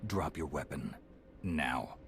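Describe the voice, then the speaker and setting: A man's voice: a bass voice, expressive, slow pace, gravelly, a bit bright, slight background noise, full character voice. An actor voicing a stern male soldier in a video game, barking curt commands. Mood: commanding. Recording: game audio with music behind.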